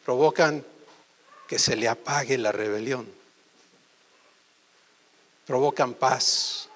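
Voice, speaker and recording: A man preaching a sermon, asking the congregation quick questions. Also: medium pitch. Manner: animated, quizzes the audience with quick questions.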